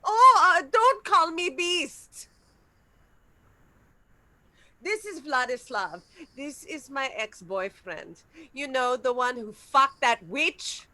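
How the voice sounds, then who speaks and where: A woman playing a haughty, impatient, hungry female vampire in a comedy table read, with theatrical drawn-out delivery. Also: sits high, animated, pushed and bright, no room sound, full character voice. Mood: scornful.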